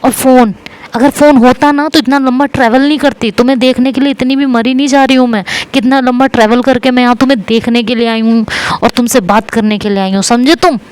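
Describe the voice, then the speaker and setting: A woman voicing a furious young woman who scolds her girlfriend, shouting and repeating words in anger. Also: a little high, steady tone, fairly quick, clean tone, pitched above the performer's own voice, natural voice. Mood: furious scolding.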